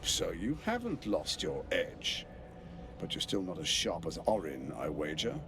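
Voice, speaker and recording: An actor playing a suave, sardonic scheming tyrant in a video game, with polished, goading delivery. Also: male voice, low-pitched, very animated, a little slow, gravelly, music in the background, heavily acted. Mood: mocking. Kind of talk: video game villain acting. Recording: loud background noise.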